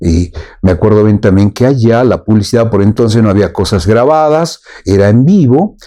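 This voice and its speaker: A man's fairly low, dark, mellow voice with lively intonation, very even loudness and a moderate pace over a quiet background. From Bolivia, Villazón (southern Potosí, Argentine border). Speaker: radio announcer. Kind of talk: interview.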